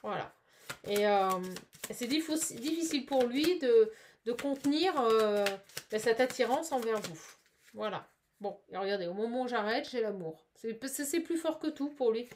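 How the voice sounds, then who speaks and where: A woman's voice: a little high, animated, moderate pace, darkish tone, slight background noise. Chatty French-speaking woman reading cards. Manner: hesitant, many fillers and restarts; chatty and encouraging. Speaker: spiritual card reader. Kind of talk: casual card-reading guidance.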